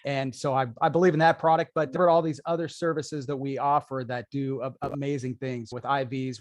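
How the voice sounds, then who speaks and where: A man being interviewed as a business owner, upbeat and promotional, explaining his services briskly. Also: medium pitch, no room sound. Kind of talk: interview answers.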